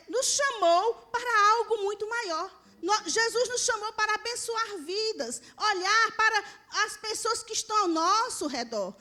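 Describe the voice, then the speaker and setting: A woman's voice: very high voice, bright, forceful tone. A Brazilian woman pastor preaching a sermon in church, earnestly addressing the congregation as brothers and sisters. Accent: Brazilian Portuguese.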